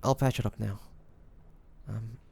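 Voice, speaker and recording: Man acting as a low-voiced, slow-talking devoted lover. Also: steady tone, a little mellow, exaggerated voice. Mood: apologetic, soothing. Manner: tender, hesitant, breathy sighs, addressing the listener. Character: devoted, anxious young man tending his wounded dragon-shifter beloved. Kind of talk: romantic audio roleplay acting.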